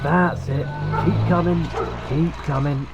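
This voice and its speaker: An actor playing a nervous male worker in an audio drama, reluctant and colloquial, with a slightly husky voice. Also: fairly high pitch, fairly even intonation, slow, faint music behind. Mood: directing. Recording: dull, muffled sound.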